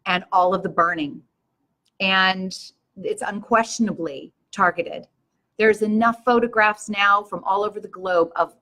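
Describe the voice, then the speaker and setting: Older lady talking straight to her viewers on a stream, all fired up and preachy, middle pitch. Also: sharp tone. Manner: earnest, impassioned, preachy. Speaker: show host. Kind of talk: live-stream talk to viewers.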